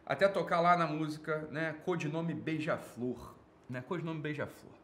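A man's voice: fairly high pitch, normal speed, a bit bright, slight background noise. A Brazilian man giving informal, off-the-cuff commentary as a program host, opinionated and emphatic, with repetition and slangy, profane wording.

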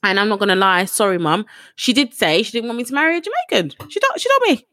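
A young adult woman, co-hosting a casual podcast chat in a chatty, animated way. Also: medium pitch, no room sound, clean studio sound. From Ghana heritage, raised in England. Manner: animated, chatty, quick asides. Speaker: podcast co-host.

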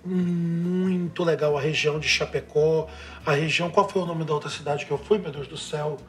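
A man's voice: fairly high pitch, steady tone, normal speed. A man from Northeast Brazil with a Northeastern Brazilian accent, chatting casually and enthusiastically, sometimes trailing off as he searches for words. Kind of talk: casual chat.

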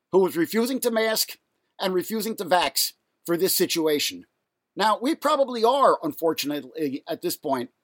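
A man hosts a solo rant from his apartment, his voice raspy and nasal because he is ill and congested. He sounds indignant and fed up, pitched a little high for a man, and the recording is close and dry with no room sound. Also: no room sound. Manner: angry, indignant ranting. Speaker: podcast host. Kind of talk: solo ranting monologue. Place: home apartment.

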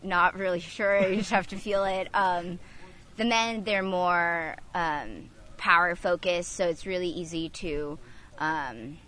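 Taking her time, a young adult woman speaks in a lowish, slightly bright voice. She's the coxswain for a college rowing team, and in this interview she stays chatty and cheerful while filling her answers with plenty of "um"s.

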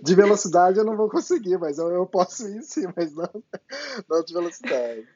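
A Brazilian man with a Brazilian Portuguese accent hosting a podcast interview, speaking calmly and reflectively. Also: high voice, brisk, breathy edge, no echo. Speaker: podcast host. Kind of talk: casual interview conversation. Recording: dull lo-fi podcast audio.

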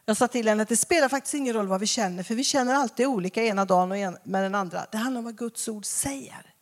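A woman giving a Christian teaching talk, acting out conversations as she tells them. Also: fairly high pitch. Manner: acts out dialogues with shifting voices. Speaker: Christian speaker.

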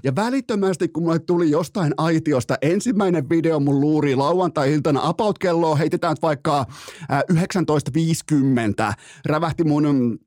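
Man, podcast host, comic sports rant, swearing, drawn-out emphasis, higher voice, dry close sound. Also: a little mellow, dry recording. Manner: profane, theatrical, mock-outraged.

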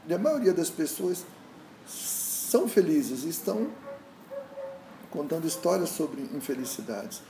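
With a slightly high, sing-song voice, this meditation teacher talks unhurriedly in a reflective, casual interview, pausing often. He tells stories and keeps restarting as he searches for words; the room is echoey with faint noise.

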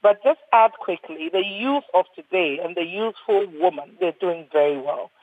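A woman's voice: on the low side, lively intonation, normal speed. A woman in her sixties from Ghana, a doctor speaking earnestly on a panel and often repeating words as she restarts. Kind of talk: panel discussion. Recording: thin phone-like line, husky and dry.

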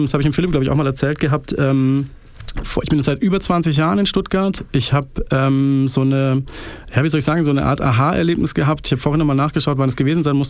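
A man's voice: fairly high pitch, vocal fry, darkish tone, dry recording. A man from Baden, a podcast guest in a studio, telling a rambling, self-mocking story full of fillers. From Baden, Germany. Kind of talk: casual storytelling chat.

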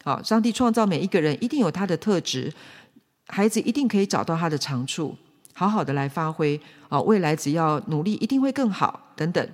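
A man's voice: a little high, lively intonation, fairly quick. A man speaks to parents in an earnest, storytelling way. He leans on little fillers and says his key lines twice. His voice rings in a long hall reverb. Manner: earnest, with frequent fillers and repetitions.

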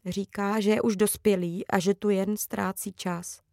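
A woman voicing a shy, gentle teenage girl who is the older sister, speaking quietly in a storybook reading. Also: mid-range voice, fairly even intonation, gravelly, no room sound, studio quality, lightly acted. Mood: quiet, subdued.

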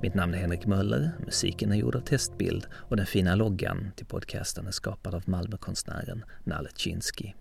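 A man with a Swedish accent, hosting a podcast and reading a calm, measured introduction. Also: low voice, creaky, soft background music. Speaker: podcast host.

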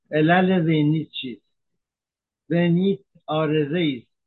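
A man, a physician from Iran, giving a measured health talk that explains medical terms, with frequent hesitations. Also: on the high side, husky, phone-quality sound.

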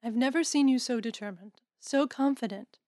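A woman playing a calm, caring campus counsellor in an audio drama, measured and gently probing. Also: a little high, dry recording, clean studio sound, close to an everyday voice. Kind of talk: audio drama acting, naturalistic dialogue.

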